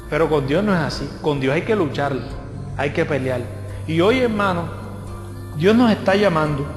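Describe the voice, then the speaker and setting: Man, high voice, preaching a sermon, echoey church hall with long reverb, faint music. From Colombia. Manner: lively storytelling, acts out voices of others. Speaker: guest preacher.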